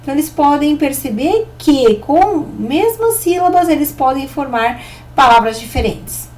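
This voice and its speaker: A woman teacher giving a recorded online lesson, explaining patiently and slowing down to sound out example words. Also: sits high, expressive, darkish tone, distant mic, rough recording.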